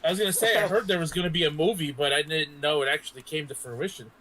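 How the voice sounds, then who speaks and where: A man's voice: a little high, fast talker, fairly bright tone, rough recording. A man chatting casually in a panel discussion.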